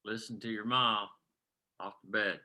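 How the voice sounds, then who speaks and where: An actor playing a steady, weary father and town leader in a screenplay table read. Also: lowish voice, unhurried. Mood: fatherly.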